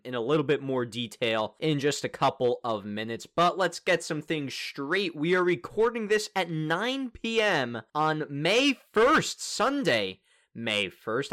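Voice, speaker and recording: A young man co-hosting a casual sports podcast, joking and excitable, laughing often. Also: fairly high pitch. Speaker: podcast co-host.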